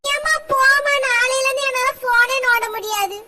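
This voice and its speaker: A woman's voice: very high voice, normal speed, pushed and bright, exaggerated voice. Woman voicing a sulky cartoon village girl. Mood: pleading. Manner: complaining, dramatic sulking. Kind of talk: cartoon voice acting.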